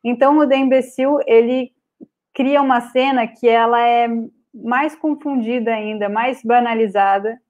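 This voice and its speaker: A woman with a Brazilian Portuguese accent giving an online lecture over slides, pausing often with fillers and restarts. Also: fairly high pitch, steady tone, darkish tone, dull audio. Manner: hesitant, many filler "é" and restarts. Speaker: guest speaker on art publishing. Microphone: video call webcam.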